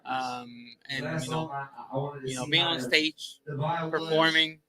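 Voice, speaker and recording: A man's voice: a little high, steady tone, slow, low-quality recording. A man from Peru with a Peruvian Spanish accent, a native Spanish speaker chatting casually as an artist in a live interview. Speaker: reggaeton artist being interviewed. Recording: busy crowd behind the voice. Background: crowd at a live showcase.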